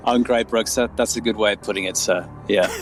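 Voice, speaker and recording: A man's voice: fairly low pitch, steady tone, moderate pace, soft background music. A man, an author chatting casually as a podcast guest. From Australia. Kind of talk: casual interview chat. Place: quiet spot by the water.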